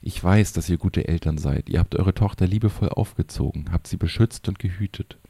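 A man reading a gentle, wise old sage. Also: deep voice, brisk, creaky, husky, dry recording, exaggerated voice. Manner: soft, understanding.

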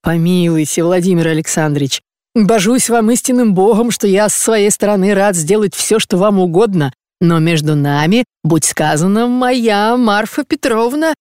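A reader playing a flustered, meek provincial husband. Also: male voice, sits high, animated, normal speed, a little mellow, clear, resonant tone, no room sound, studio quality. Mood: evasive. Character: fussy, evasive provincial older husband.

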